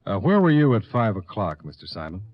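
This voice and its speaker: A wry American insurance investigator in an old radio detective serial. He is low-pitched and probing, with dry, clipped delivery. The recording is dull and lo-fi, like vintage radio. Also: big pitch swings, brisk, dry recording. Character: wry, probing male insurance investigator narrating his case.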